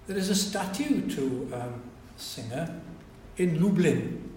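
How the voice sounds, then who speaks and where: A man's voice: fairly high pitch, lively intonation, slow pace, a little mellow, a little hiss or hum. A man with a Welsh accent, a native Welsh speaker, giving a reflective public talk with hesitant restarts and digressions. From Wales. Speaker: speaker at a literary tribute. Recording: echoey hall, mic at a distance.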